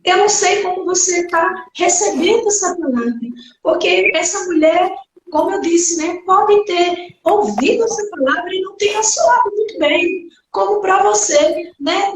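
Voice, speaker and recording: A woman's voice: very high voice, slight background noise. A woman pastor preaching an earnest sermon, often tagging her sentences with "né" and acting out quoted voices. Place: church hall. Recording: echoey church hall from far off.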